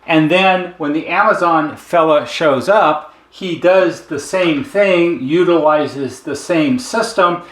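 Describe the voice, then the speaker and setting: A man's voice: fairly high pitch, a bit bright. A man giving a casual, plain-spoken explainer, taking it step by step in a conversational way. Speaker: intercom service technician and presenter. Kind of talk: casual explainer talk with a diagram. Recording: echoey, roomy sound.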